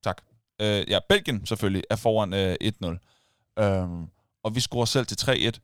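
A man's voice: fairly low pitch, clear, resonant tone, no room sound, clean studio sound. Man animatedly telling a story. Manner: animated storytelling, acts out crowd shouts. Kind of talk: casual chat.

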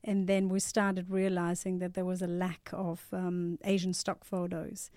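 A woman's voice: fairly low pitch, monotone, a little slow, dark tone, dry recording, clean studio sound. A woman in her forties with a blended Spanish, Australian and English accent, a startup founder talking as a podcast guest, with many fillers and repeated phrases. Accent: mixed Spanish, Australian and English. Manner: many fillers, repeats words, says "you know, sort of". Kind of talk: casual interview talk. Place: podcast studio.

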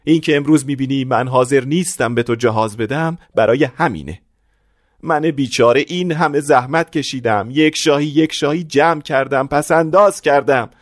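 A man's voice: mid-range voice, no room sound, clean studio sound, natural voice. A man playing a stingy scheming father. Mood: pleading, bitter. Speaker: father of the bride. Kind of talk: radio play acting.

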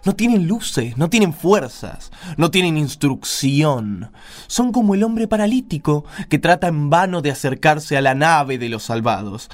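An actor playing a pompous, contemptuous, pious Pharisee husband in a radio play, preachy and condescending. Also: male voice, on the high side, sing-song, measured pace. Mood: scornful.

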